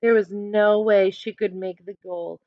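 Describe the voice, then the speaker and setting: A woman's voice: medium pitch, fairly even intonation, unhurried, dry recording, dull audio. A woman teacher reading a picture book aloud expressively, adding instructive asides and questions for listeners.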